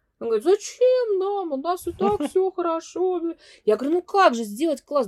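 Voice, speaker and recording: A woman's pitch swings very widely while she talks at a moderate pace. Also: dry, close sound with no echo. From Soviet Union (Russia), early childhood in Greece. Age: 40s. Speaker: film critic and translator.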